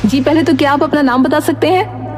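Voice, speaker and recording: A woman voicing a brisk female TV news reporter with a formal, questioning manner in a story. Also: sits high, darkish tone, faint music behind, pitched above the performer's own voice, close to an everyday voice. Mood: probing.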